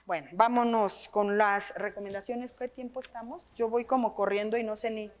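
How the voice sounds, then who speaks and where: Lively Mexican woman leading a workshop. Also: fairly high pitch, moderate pace. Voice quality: trained, well-projected voice. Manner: lively, tags phrases with questions to the audience. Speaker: workshop leader for teachers. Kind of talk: teaching workshop on reading aloud. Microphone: microphone.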